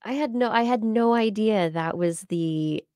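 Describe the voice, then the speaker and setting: A woman's voice: mid-range voice, a little slow, darkish tone, clean tone, no room sound. An American woman in her forties hosting a science podcast, reacting and asking questions casually into a close microphone. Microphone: close studio microphone on a boom.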